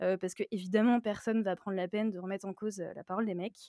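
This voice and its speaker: A woman speaks very fast at a medium pitch, her dark, mellow tone carrying fairly even intonation in a dry, close sound with no echo on a very clean recording with a silent background. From Nantes, France. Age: 20s. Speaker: columnist. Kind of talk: casual chat.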